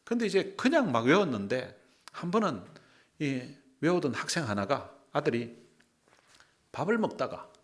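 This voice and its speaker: A male pastor preaching a sermon, telling anecdotes as he goes. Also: on the high side. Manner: storytelling with anecdotes, lively delivery.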